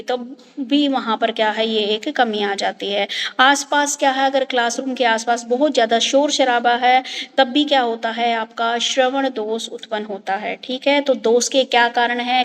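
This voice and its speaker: High-voiced woman teaching in a hall. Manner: explanatory, repeats rhetorical "kya hai" questions. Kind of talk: online class lecture.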